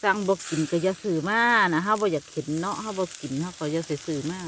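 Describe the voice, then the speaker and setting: A woman with an Isan Thai accent talks in a rambling, friendly way straight to her viewers, her voice sitting a little low. She is recorded outdoors in a backyard, with a faint hiss of background noise behind her. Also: fast talker. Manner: chatty, rambling, addresses viewers as brothers and sisters. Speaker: vlogger. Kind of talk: casual chat to viewers. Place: backyard outdoors by a charcoal grill.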